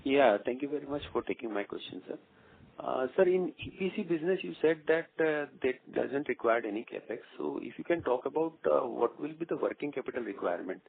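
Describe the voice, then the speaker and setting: An Indian-accented man puts polite questions to management as a caller. His voice is creaky and raspy, coming over a narrow phone line. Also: medium pitch, lively intonation, a little fast. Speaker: investor caller asking questions. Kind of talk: earnings call question.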